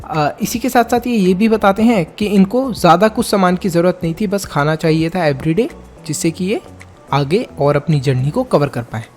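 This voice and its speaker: A teacher walks students through a textbook chapter. Each English passage is read slowly, word by word, and then explained in Hindi with questions put to the listeners. Soft music plays faintly underneath. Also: mid-range voice, expressive.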